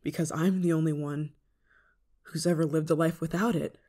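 A woman's voice: sits low, steady tone, dark tone. Woman acting as a clingy, desperate android lover. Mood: pleading, possessive. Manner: hesitant, halting, emotionally intense delivery. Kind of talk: ASMR roleplay drama monologue.

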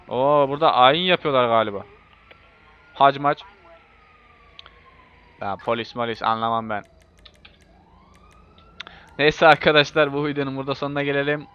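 A man commentating a racing game in a casual, excitable way, swearing and yelling when he crashes. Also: mid-range voice. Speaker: gameplay video host. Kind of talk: live gameplay commentary. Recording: muffled lo-fi mic with faint hiss.

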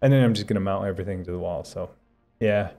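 Male streamer, low mellow voice, loose rambling chat with viewers, faint music under it. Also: fast talker. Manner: rambling, full of fillers and restarts. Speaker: livestream host.

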